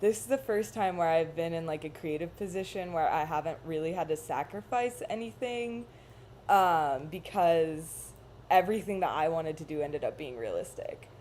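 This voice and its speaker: A woman's voice: sits low, animated, moderate pace, darkish tone, slight background noise. A young woman chatting casually on a video call, rambling and thoughtful, often laughing at herself. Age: young adult. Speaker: cast member of a charity reading livestream. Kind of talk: casual chat.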